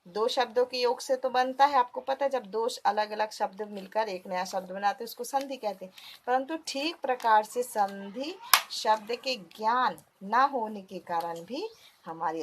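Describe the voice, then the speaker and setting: A woman's voice: mid-range voice, normal speed, a little hiss or hum. A woman teacher explaining a textbook lesson patiently, often asking the listener questions as she goes.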